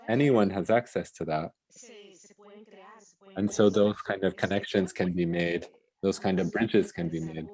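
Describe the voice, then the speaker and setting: An interpreter rendering a panel discussion into English live, in halting phrases with pauses. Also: low-pitched, warm tone, poor audio.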